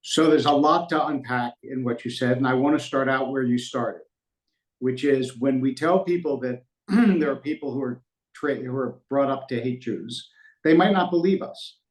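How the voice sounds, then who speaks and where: A middle-aged man, a rabbi, answering interview questions in a measured, reflective way and telling anecdotes. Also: mid-range voice. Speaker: rabbi, guest. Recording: roomy echo.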